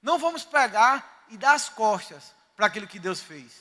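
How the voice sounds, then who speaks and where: A man's voice: high-pitched, big pitch swings, moderate pace, pushed and bright. A man with a Northeastern Brazilian accent, a pastor preaching a sermon and telling stories with emphasis. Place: church sanctuary. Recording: reverberant church hall.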